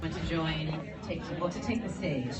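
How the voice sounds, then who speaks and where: A woman moderating a panel, briskly announcing the next session and directing people to their seats. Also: low voice. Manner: brisk, organized. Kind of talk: event announcements. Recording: distant voice over a loud crowd.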